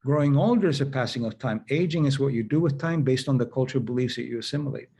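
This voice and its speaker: A man's voice: medium pitch, fast, gravelly, dark tone, husky. A man hosting a conversational interview, telling anecdotes and acting out quoted dialogue. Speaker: host.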